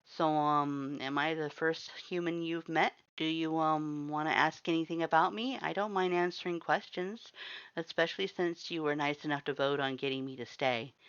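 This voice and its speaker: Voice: fairly even intonation, moderate pace, a bit bright, smooth, no room sound, dull audio, natural voice. A narrator playing an awkward young student, the exasperated protagonist of an audiobook story. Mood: awkward, polite. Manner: hesitant, polite, turning squeaky when upset.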